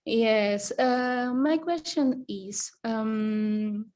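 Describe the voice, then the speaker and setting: A woman student, asking a question haltingly and searching for words in English. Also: fairly high pitch, a little mellow. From Portugal. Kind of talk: asking a question in an online session.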